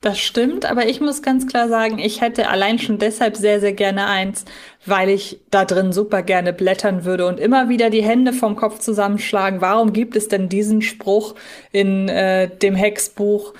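A woman's voice: medium pitch, steady tone, normal speed. A woman co-hosting a casual fan podcast, chatting in a wordy, emphatic way. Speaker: podcast co-host.

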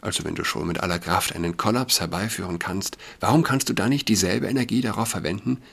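A man voicing a sharp-tongued young man lecturing his sister in an emphatic, impatient way, reading a novel aloud. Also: low-pitched, fast, gravelly, exaggerated voice.

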